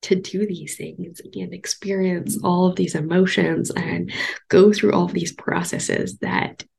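A young adult woman with a congested voice, hosting a podcast in a casual, thoughtful talk with frequent pauses and ums. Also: lowish voice, steady tone, vocal fry, darkish tone, husky. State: congested from a cold. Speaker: podcast host.

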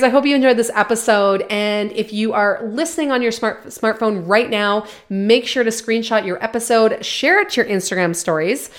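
Woman podcast host, blunt and fired-up, casual coaching monologue with swearing. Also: medium pitch.

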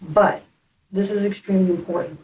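A woman's voice: mid-range voice, a little fast. Woman detective on old interrogation tape. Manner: calm, reassuring, friendly questioning. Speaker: police detective. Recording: distant interrogation room camera tape.

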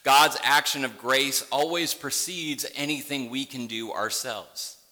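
A middle-aged male pastor, raised in the Upper Midwest, with an Upper Midwest accent softened by a Southern tinge, preaching a sermon in a gentle, conversational way. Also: medium pitch, unhurried, long reverb tail. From Michigan, Upper Midwest. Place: church sanctuary.

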